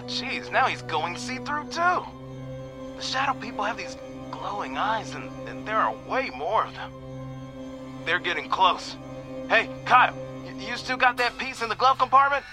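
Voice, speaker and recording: A man's voice: high voice, big pitch swings, measured pace, long pauses, music in the background. An actor playing a laid-back young male stoner calling a radio show, drawling and slangy, then growing frantic. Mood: panicked. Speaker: radio caller. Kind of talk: audio drama acting.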